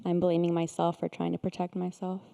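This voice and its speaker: A woman sharing a painful personal story, hesitant and halting, often pausing with fillers. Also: lowish voice, monotone, creaky, dark tone, clean tone. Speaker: participant, therapist.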